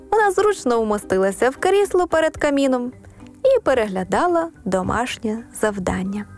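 A woman narrating a children's story on a radio program, expressive and acting out each character's lines. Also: a little high.

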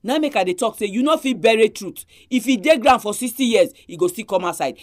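A woman's voice: fairly high pitch, expressive, fairly quick, darkish tone. A woman with a Nigerian Pidgin accent hosts a Christian advice radio programme, speaking in an earnest, exhorting manner.

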